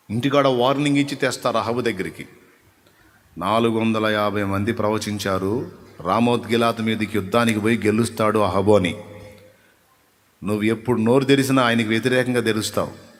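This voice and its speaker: A male pastor preaching a Sunday sermon, emphatic, building to loud repeated phrases and dropping back to quiet asides. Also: lowish voice, normal speed, pauses often. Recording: echoey hall reverb.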